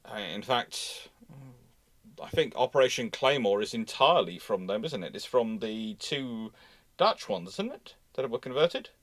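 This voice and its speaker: Guy hosting a live history q&a, medium pitch, chatty, keeps restarting his sentences. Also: big pitch swings, measured pace. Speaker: host of a naval history livestream. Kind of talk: casual live question-and-answer talk.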